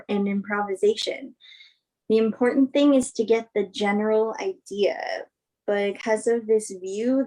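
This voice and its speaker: A woman acting as a sincere film star in a play reading. Her voice sits at a medium pitch. She phrases things carefully and earnestly, in a natural conversational style. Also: a little mellow, natural voice, poor audio. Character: Emma, sincere film actress woman, thoughtful, open-minded believer. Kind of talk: virtual staged play reading, naturalistic dialogue.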